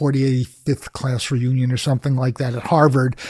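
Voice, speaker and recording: The speaker is somewhat breathy, with an American accent. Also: man, dry, close sound with no echo. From California. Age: 70s. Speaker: drug law reform activist. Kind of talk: interview. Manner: halting, with frequent self-corrections.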